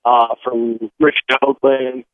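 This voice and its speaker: A male caller from Michigan phones in while driving, his voice squeezed through a thin, tinny line that keeps breaking up. He talks in halting bits, full of pauses and restarts. His voice sits at an ordinary pitch and sounds dry, with no room around it. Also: little pitch movement, no echo. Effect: calling on a phone while driving, line breaking up. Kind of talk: call-in radio chat. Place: in a car.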